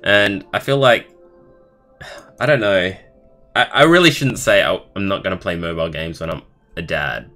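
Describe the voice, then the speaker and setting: A young man live streaming, reading a story aloud in a halting way and adding casual comments of his own. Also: low-pitched, sharp tone. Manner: halting, stumbling over words while reading. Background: background music.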